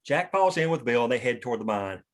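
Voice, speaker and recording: A man reads scripted scene descriptions as the narrator of a table read. His voice is medium in pitch. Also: lively intonation, quick pace. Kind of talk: scripted narration of stage directions.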